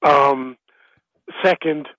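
A man calling in to a radio show, in pain and speaking haltingly, husky-voiced over a phone line. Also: fairly high pitch, fairly even intonation, a bit bright, no room sound. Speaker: caller. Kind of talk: radio call-in.

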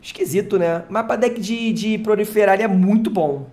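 An excitable, slangy streamer from Brazil opening card packs live, who swears and jokes with chat. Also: medium pitch, moderate pace. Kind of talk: live unboxing chat with viewers.

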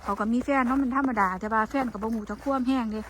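A woman's voice: on the high side, fairly even intonation, rapid-fire, slight background noise. A woman with an Isan accent, chatting casually to her viewers and complaining at length, addressing them as siblings. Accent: Isan (Northeastern Thai). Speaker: vlogger. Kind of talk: casual talking vlog to viewers. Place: outdoors walking in the cold.

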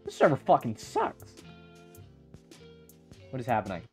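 Guy yelling his way through a minecraft game, voice jumping all over, bit of music behind. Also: mid-range voice, a little slow. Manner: excitable, swears often, stammers and restarts. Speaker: Minecraft YouTuber. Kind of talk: gaming commentary.

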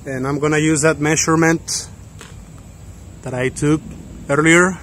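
A man's voice: a little high, steady tone, measured pace, fairly bright tone, a little hiss or hum. A young man narrating a step-by-step DIY tutorial in a plain, instructional way. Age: young adult. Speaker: DIY bike vlogger.

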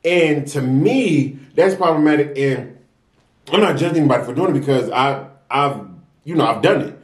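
A young American man chatting casually and earnestly to viewers while eating, unhurried between bites. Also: a little high. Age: young adult. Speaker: mukbang vlogger. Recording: roomy, echoey sound.

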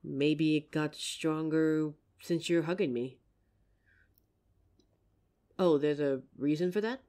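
A voice actress performs an F4A audio roleplay as a tender young werewolf girlfriend, leading her partner through a slow grounding exercise. Her voice is soft, breathy and low, mellow and dark in tone, and she draws out every word without hurry.

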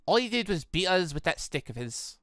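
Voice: medium pitch, very animated, brisk, fairly bright tone, no echo, clean studio sound. A British gamer voicing a smug, ruthless young villainess with a sly, dismissive manner in a visual novel game. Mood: scornful.

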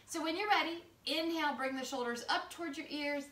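This is guided yoga instruction from a woman whose voice sits high and sounds fairly bright as she moves briskly through informal, upbeat cues. The camera is placed across her living room, so the recording sounds distant and roomy.

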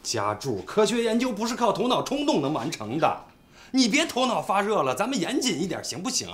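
A man's voice: high-pitched, wildly swooping pitch, a little fast, fairly bright tone, slight background noise, exaggerated voice. An actor playing an earnest younger brother who presses his sister with worried questions. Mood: stern.

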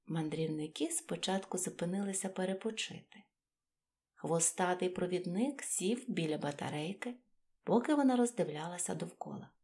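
A woman's voice: lowish voice, normal speed, a little mellow. A woman storyteller reading a scripted children's fairy tale expressively, with music behind her.

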